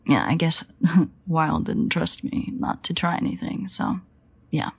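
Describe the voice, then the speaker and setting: An actress plays a female vampire in an intimate audio drama. Her voice sits low, with heavy fry and a husky, breathy edge. She grumbles sardonically, guilt and protectiveness under the sarcasm. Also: big pitch swings, measured pace, exaggerated voice. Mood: relieved, awkward. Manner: sarcastic, grumbling, hesitant asides. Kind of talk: intimate audio roleplay acting.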